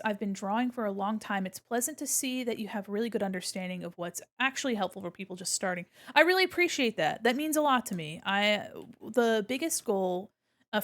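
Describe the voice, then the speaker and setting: A woman hosting a casual art livestream, explaining as she works and speaking in a gentle, encouraging way. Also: medium pitch. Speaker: art streamer and critique host. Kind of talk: casual livestream commentary while drawing, reading chat aloud.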